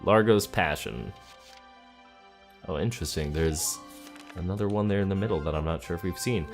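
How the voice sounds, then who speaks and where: A man's voice: low voice, normal speed. A man doing game commentary for a let's play, reading in-game text and talking through his choices. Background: game music.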